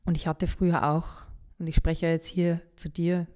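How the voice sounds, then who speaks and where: A young woman with a light Bavarian accent speaks in a low, warm, relaxed voice. She tells her own story candidly and reflectively on a podcast, often pausing with fillers and starting her sentences over. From Upper Palatinate, Bavaria. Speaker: podcast host.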